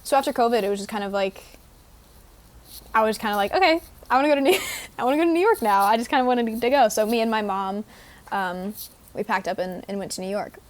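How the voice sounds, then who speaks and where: A woman's voice: on the high side, fast. A young woman from Houston, a guest actor, talking casually in an interview and filling her speech with "like". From Houston, Texas. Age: young adult. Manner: casual, lots of "like" fillers.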